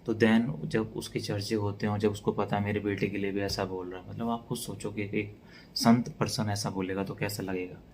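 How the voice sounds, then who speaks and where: Male tutor, lowish voice, calm lecture pace, faint hiss behind. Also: moderate pace. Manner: mixes Hindi with English, talks calmly and softly. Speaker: teacher. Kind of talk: relaxed exam-prep lecture. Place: indoors at night.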